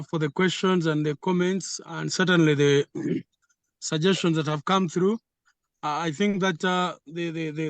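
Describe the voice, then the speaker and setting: A man gives measured, formal answers in an online meeting, repeating words as he gathers his thoughts. His voice sits fairly high for a man. The sound is dry and close. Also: no room sound. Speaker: secretary general answering questions. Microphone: video call.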